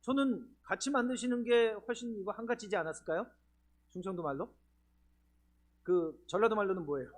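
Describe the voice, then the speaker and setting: A high-pitched man speaks briskly and pauses often while preaching at a church healing seminar, asking the congregation questions along the way. He's a pastor from Korea's Chungcheong region, speaking in the church sanctuary.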